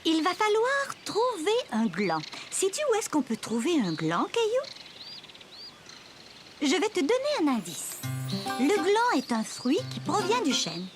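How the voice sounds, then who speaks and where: Cartoon babysitter: young, kind, patient, high-pitched and very animated, music underneath. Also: female voice, a little slow, exaggerated voice. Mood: patient, instructive. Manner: patient, explaining, sing-song encouragement. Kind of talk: children's cartoon acting in French.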